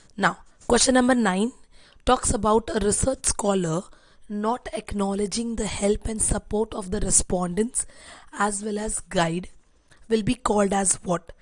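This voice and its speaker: Quiet speech at a fairly slow pace, with ordinary pitch variation. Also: woman, fairly high pitch for a woman. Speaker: online exam-prep teacher. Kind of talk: lecture.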